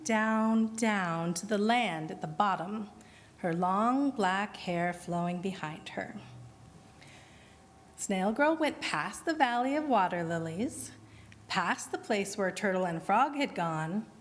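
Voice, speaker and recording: A woman reading a story aloud at a worship service, slow and expressive. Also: mid-range voice, big-room sound. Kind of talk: storytelling narration. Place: congregation meeting hall.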